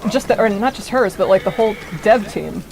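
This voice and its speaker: A young American woman streamer thinking out loud while she plays. She rambles and digresses, swearing freely. Her pitch sits at an ordinary middle level, with faint noise in the background. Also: brisk, gravelly. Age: 20s. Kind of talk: casual gameplay commentary.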